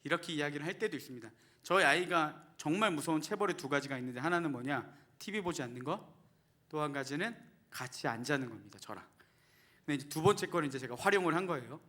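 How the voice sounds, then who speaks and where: Korean pastor preaching, bright voice. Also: male voice, on the high side, lively intonation, fast talker. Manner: earnest, asks the congregation questions. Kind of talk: sermon. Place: church sanctuary.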